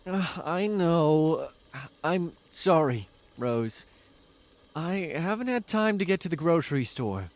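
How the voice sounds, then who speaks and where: A man's voice: a little high, animated, slow pace. A man playing an affectionate, joking young boyfriend in a naturalistic audio drama. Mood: apologetic, coaxing.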